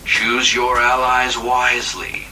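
A man narrating a game in a spooky, dramatic scripted style, hushed and often dropping to a whisper, heard from a distance. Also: mid-range voice, completely flat delivery, slow. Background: clear background noise.

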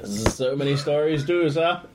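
A man in character as a gentleman, trading mock-posh, teasing quips. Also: on the high side, measured pace, noisy background. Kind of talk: improvised in-character banter.

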